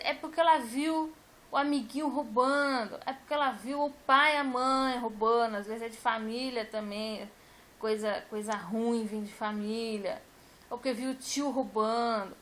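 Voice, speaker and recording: A woman's voice: a little high, steady tone, normal speed, fairly bright tone. A woman, a teacher, talking casually and emphatically to her viewers and repeating her points. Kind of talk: casual talk to camera.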